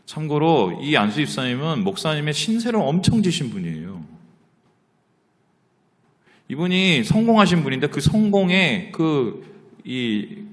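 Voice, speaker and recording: A male pastor giving a Sunday sermon in a church sanctuary, telling stories animatedly and moving between hushed and loud passages. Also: mid-range voice. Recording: long church reverb.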